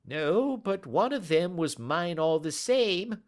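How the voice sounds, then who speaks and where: A man voicing a nervous, frightened little man who whines in a high, quavering voice in a storybook reading. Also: expressive, slow. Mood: frightened whining.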